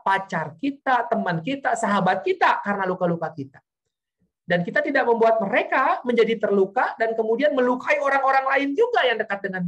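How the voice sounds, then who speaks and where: A man giving an earnest sermon at a prayer meeting, telling a healing testimony and encouraging his listeners as friends. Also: high voice.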